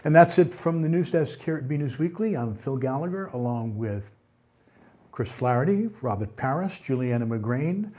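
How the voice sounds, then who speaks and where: A male news anchor with a soft, dark voice at an ordinary pitch. He presents local items in a newsreading style, now and then halting over a phrase. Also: lively intonation.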